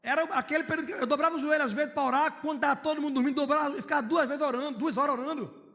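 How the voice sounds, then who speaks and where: A man preaching a sermon as pastor, telling personal stories, moving between hushed storytelling and loud outcries. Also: extremely high pitch, steady tone, rapid-fire. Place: church hall. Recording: long reverb of a church hall.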